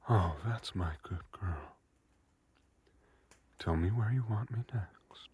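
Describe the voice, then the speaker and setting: A man whispering a slow, coaxing intimate audio roleplay in a soft, breathy voice. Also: lowish voice.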